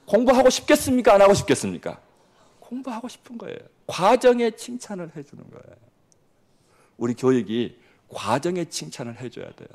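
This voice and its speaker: A man in his forties from Jeolla, preaching a sermon as pastor with lively storytelling that swings between loud and hushed. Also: high voice, fairly quick. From Jeolla, South Korea.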